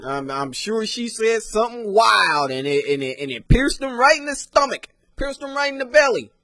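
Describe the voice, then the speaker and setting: High, lively-voiced sarcastic male commentator. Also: normal speed, dry recording, studio quality. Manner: sarcastic, emphatic, interrupts the clip to comment. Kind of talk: casual reaction commentary.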